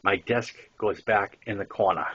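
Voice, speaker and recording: An older man with a Boston accent and a husky voice, reading his own first-person story as an audiobook narration. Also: fairly low pitch, moderate pace, pushed and bright, dull audio.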